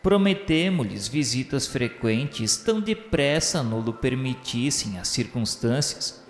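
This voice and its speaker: A man's voice: medium pitch, lively intonation, slow. A man with a Brazilian accent narrating an audio novel in a formal, solemn, declamatory and earnest literary style. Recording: echoey hall reverb with music behind. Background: music.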